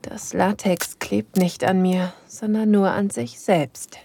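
A woman voicing a young, eager lover in an intimate audio drama, narrating in breathy whispers. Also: mid-range voice, steady tone, takes it slowly, warm tone, a little hiss or hum. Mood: aroused.

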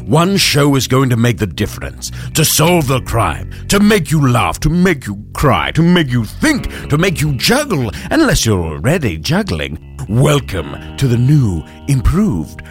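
An actor playing an excitable show producer in an audio drama, bursting with sudden ideas and sliding into a booming trailer-style announcer voice. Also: male voice, unhurried, faint music behind.

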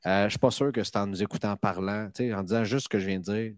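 A man's voice: fairly low pitch, fairly even intonation, fast talker, no echo, clean studio sound. A man with a Québécois accent co-hosting a podcast in casual chat. He sounds tired and jokes around, laughing at his own jokes. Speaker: podcast co-host.

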